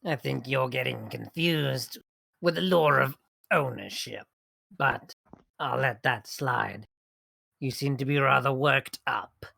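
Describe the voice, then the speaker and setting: A man voicing a condescending hag villainess in a tabletop game, slow and theatrical, with mock-polite menace. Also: mid-range voice, creaky, bright, forceful tone, no echo, studio quality, heavily acted. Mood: bored disdain. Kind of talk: tabletop role-play.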